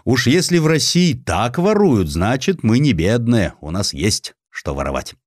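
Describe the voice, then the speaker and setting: A man's voice: medium pitch, sing-song, a little slow, no room sound, clean studio sound. A man voicing a resigned, wryly cynical emperor in an audiobook. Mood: wry resignation.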